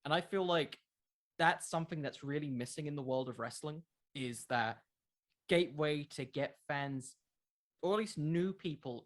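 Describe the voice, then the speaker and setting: A man chatting casually as an interview guest, explaining his ideas in an earnest way. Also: fairly high pitch. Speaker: podcast creator, interview guest.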